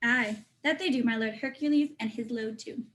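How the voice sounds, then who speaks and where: A woman playing a deferential young male courtier in a dramatic reading of Shakespeare, courteous and measured. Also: on the high side, fairly bright tone, slight background noise, lightly acted. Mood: informative, polite. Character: deferential young courtier, Hamlet's old schoolfriend.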